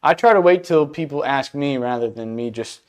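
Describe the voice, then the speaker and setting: A young man in his twenties with a smooth, resonant voice, talking about his rental business in a relaxed interview. He speaks easily, with plenty of pauses and fillers. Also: mid-range voice. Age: 20s. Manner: laid-back, hesitant with fillers. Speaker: event rental business owner. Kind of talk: casual interview conversation.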